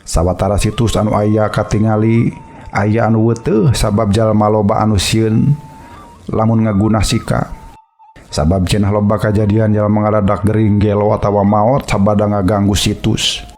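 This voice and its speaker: A man's voice: lowish voice, flat delivery, moderate pace, darkish tone, slight background noise. A man with a Sundanese accent, narrating a folk tale to his listeners as a storyteller.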